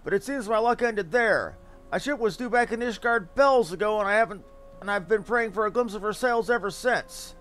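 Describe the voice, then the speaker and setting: Man playing an anxious high-pitched airship merchant. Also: moderate pace, a bit bright, soft background music. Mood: worried, pleading. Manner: pleading, florid, dramatic. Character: anxious airship merchant fretting over debts and lost cargo.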